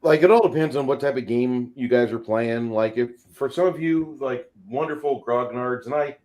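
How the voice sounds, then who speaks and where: A man's voice: medium pitch, normal speed, darkish tone. A man chatting informally as a panelist and game master in a group discussion. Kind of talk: casual chat.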